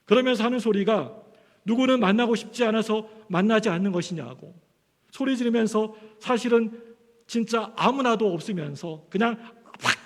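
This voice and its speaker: A man preaching a sermon as pastor, telling stories animatedly and acting out the voices of parents and children. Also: high-pitched. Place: church sanctuary. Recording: long church hall reverb.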